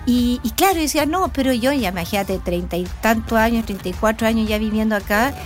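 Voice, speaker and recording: A middle-aged woman hosts a relaxed local talk show in a fairly high voice. She chats freely and steers her guests with leading questions. Faint music plays under the talk. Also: fast talker. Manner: chatty, asks leading questions. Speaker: radio show host and town councillor. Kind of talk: casual radio talk.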